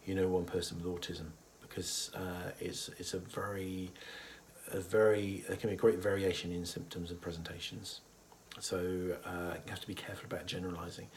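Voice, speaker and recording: Speaking a little fast with a flat delivery, this low-pitched therapist sounds husky from a cold as he chats educationally to the camera. He's thoughtful but hesitant, full of fillers, with soft chuckles, and a slight hiss or hum sits in the recording.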